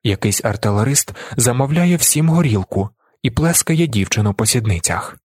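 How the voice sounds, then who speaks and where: A man reading a literary novel aloud as an audiobook narrator, with expressive delivery. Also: medium pitch, moderate pace, no echo, clean studio sound.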